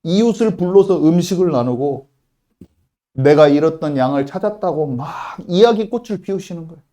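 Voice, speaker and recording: A man preaching a sermon as pastor, emphatic, with sudden loud quoted lines and soft asides. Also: fairly high pitch, lively intonation, moderate pace.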